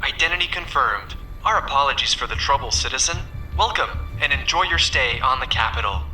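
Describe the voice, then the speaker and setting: An actor playing a polite, officious port control announcer in an audio drama, speaking with scripted official courtesy. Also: male voice, mid-range voice, lively intonation, brisk, bright, forceful tone, reverberant, distant mic, soft background music, low-quality recording.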